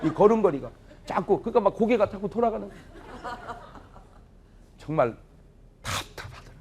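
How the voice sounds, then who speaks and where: At a church revival meeting, this middle-aged pastor delivers his sermon in a high-sitting, creaky voice at rapid-fire speed, with slight background noise. His funny family stories come alive as he acts out their dialogue, drawing laughter from the audience.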